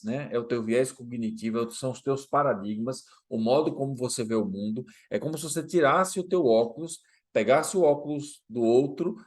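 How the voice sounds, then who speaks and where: A man giving an animated motivational lesson, turning to viewers often with quick check-in questions. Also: mid-range voice. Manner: animated, speaks to viewers directly with tag questions. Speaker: coach. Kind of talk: motivational talk to camera.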